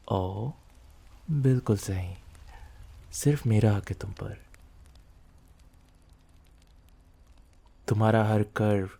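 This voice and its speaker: A possessive mafia boss, acted out by a man in an intimate ASMR roleplay. His voice is low and very mellow, with a seductive, commanding murmur. He is dominant, teasing and obsessive toward his lover. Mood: possessive, intense.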